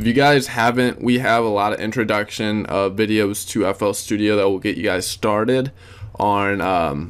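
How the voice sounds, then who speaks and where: The pitch variation here is ordinary. It is an ordinary speaking voice. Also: man. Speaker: music producer and mixing engineer. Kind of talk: tutorial. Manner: casual, with many fillers.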